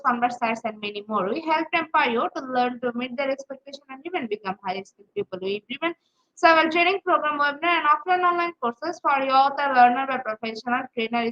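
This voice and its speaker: A woman's voice: sits high, a bit bright. A woman with a Bangladeshi accent hosting a webinar, reading a scripted introduction in a formal, recited way with small stumbles. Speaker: webinar host. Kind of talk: scripted introduction read aloud. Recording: dull, lo-fi online webinar audio.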